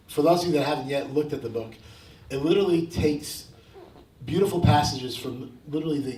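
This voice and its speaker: A man's voice: on the high side, darkish tone. A man moderating a book launch, enthusiastic and repeating his words as he introduces the author. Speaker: event host. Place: event hall. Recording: roomy hall sound, mic at a distance.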